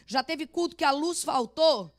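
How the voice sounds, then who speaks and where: An older woman pastor from Northeast Brazil with a Northeastern accent, preaching and telling animated stories. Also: unhurried. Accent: Northeastern Brazilian Portuguese. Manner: animated storytelling, loud booming laugh; acts out voices of people in her stories. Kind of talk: sermon.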